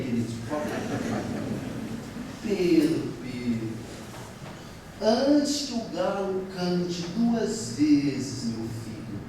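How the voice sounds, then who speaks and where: A Brazilian man with a high voice preaches a sermon, telling the story with animation and warmly calling the listeners dear ones. He speaks from far back in a large hall. The sound is heavily echoey, with faint noise under it. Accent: Brazilian Portuguese. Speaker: spiritist lecturer.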